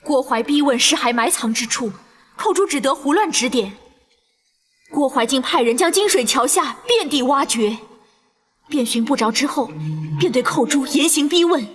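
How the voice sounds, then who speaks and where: An actress playing the vengeful ghost of a wronged palace maid, speaking in a mournful, menacing, ghostly declamation in a period drama. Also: female voice, sits high, lively intonation, moderate pace. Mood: mournful, accusing. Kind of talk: theatrical Chinese period drama acting. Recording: echoey hall reverb, noisy ambience.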